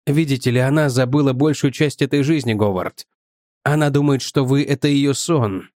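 Man reading old professor, weary, calm, low-voiced, unhurried, audiobook. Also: no echo, studio quality, lightly acted. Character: tired old male professor, patient. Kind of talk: audiobook character voice.

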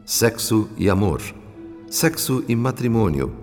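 A male actor with a Brazilian accent playing an earnest, reverent spirit who narrates a radio drama in a solemn, measured, formal way. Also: fairly low pitch, sing-song, darkish tone. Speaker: narrator character. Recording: long reverb with music behind. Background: music.

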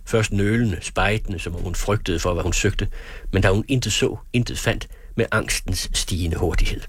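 A man reading a literary novel aloud as an audiobook narrator, in a measured, earnest storytelling manner. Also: low-pitched, slightly rough, dry recording.

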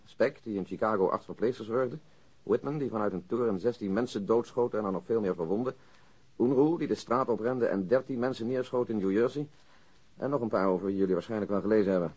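An actor playing a methodical male police detective in a radio drama, matter-of-fact and measured, as if reciting a report. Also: lowish voice, darkish tone, slightly rough, rough recording. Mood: dry, factual. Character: methodical, dry police detective with an exact memory.

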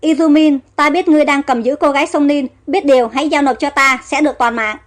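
Woman voicing a fierce warrior chief in an audio story, commanding, high voice. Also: fairly even intonation, fast talker, natural voice. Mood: threatening. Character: fierce northern male warrior leader.

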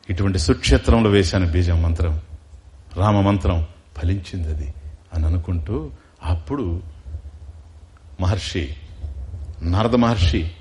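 A man giving a religious discourse, telling a devotional story, asking his listeners questions and acting out the characters' lines. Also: lowish voice. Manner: slows down for emphasis, chants Sanskrit verses. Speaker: spiritual discourse speaker.

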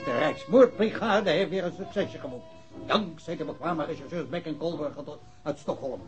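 An actor as a plain-spoken man, fairly high-voiced. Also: moderate pace, natural voice. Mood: scornful. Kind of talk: radio play acting. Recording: muffled radio play recording, faint music.

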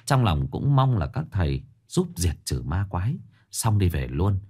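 Lively male ghost story narrator. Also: low-pitched, unhurried, husky. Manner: lively, animated telling with voiced dialogue.

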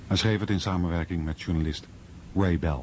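A man's voice: low voice, brisk, darkish tone. A man narrating a scripted radio documentary. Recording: dull radio recording, faint noise.

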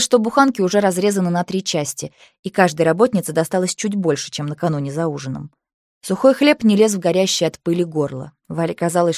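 Low-voiced woman narrating an audiobook. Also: a little mellow, no room sound, clean studio sound. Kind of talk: scripted narration.

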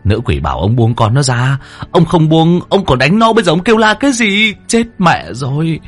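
A man's voice: fairly high pitch, sing-song, moderate pace, soft background music, pitched above the performer's own voice. A man voicing a young male exorcist who scolds his companions in exasperation. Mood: exasperated.

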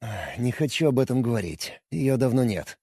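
A man voicing a reserved, guarded engineer on a space station, speaking quietly in a husky voice. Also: medium pitch, expressive, moderate pace, dry recording, clean studio sound.

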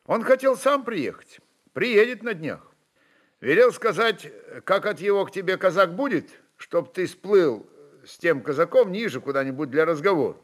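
Young Cossack lad, done by a male reader, mild and good-natured, raised pitch, plain rural speech. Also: animated, normal speed. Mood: plain, earnest. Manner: plain folksy peasant speech.

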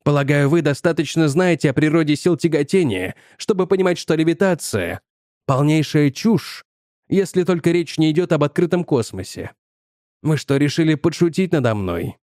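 A calm young male scientist, coolly dismissive and politely evasive, speaking with even composure, as a male audiobook narrator reads him. The sound is dry and close to the mic. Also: a little high, moderate pace, dry recording, close to an everyday voice.

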